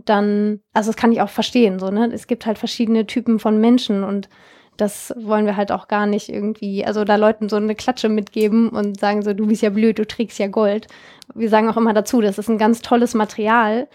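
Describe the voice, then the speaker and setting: A woman's voice: mid-range voice, little pitch movement, fairly quick, darkish tone. A young woman from Germany, founder of a jewelry company, answering interview questions in a chatty way with many fillers and restarts. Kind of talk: casual interview.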